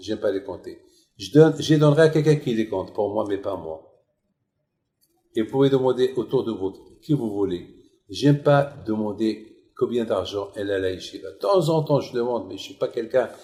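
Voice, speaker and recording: A man speaks at a medium pitch with lively intonation. His voice is somewhat breathy and his pace moderate. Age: 70s. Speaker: rabbi. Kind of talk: sermon. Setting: live video stream. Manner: animated.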